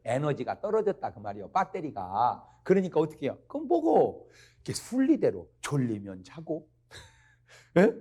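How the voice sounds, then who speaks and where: A man preaching a lively revival sermon, asking the congregation questions and climbing to emphatic peaks. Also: medium pitch, normal speed, breathy edge. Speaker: pastor. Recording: archival broadcast of a revival meeting.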